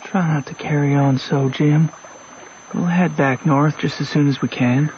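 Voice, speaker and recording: A man's voice: a little high, fairly even intonation, unhurried, slight background noise, lightly acted. An actor playing a wry, plain-spoken country boy who narrates his adventures in folksy dialect for a radio drama. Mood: sympathetic. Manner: folksy ungrammatical drawl, matter-of-fact. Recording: muffled old radio recording.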